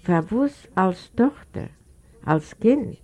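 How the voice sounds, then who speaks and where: A woman's voice: mid-range voice, expressive, takes it slowly, warm tone, dull audio. A woman voicing a troubled, earnest young woman in an audiobook reading. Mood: pleading. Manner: hesitant, earnest.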